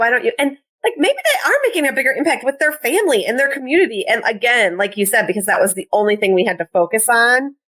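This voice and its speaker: A woman with a Midwestern accent speaks at a high pitch in a bright, sharp tone. Her pitch swings very widely at a fairly quick pace. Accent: Midwest. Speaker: podcast co-host. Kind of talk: casual chat.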